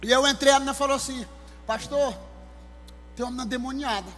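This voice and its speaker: Man, pastor, Maranhão accent, very high voice, animated sermon storytelling, reverberant church hall. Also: a little fast. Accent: Maranhão, Brazil. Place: church sanctuary. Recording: hall reverb with soft music.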